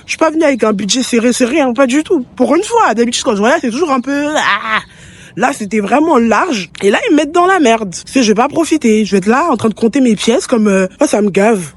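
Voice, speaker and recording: A woman's voice: on the high side, lively intonation, fast talker, husky. Give me a young woman from France venting in a casual travel vlog. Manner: annoyed, ranting. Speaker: vlogger. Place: travelling in a city.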